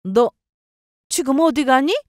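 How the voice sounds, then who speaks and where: A woman voicing a bossy, spiteful older mother-in-law who yells and scolds in a shrill voice. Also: lively intonation, slow, dry recording, clean studio sound. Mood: scornful.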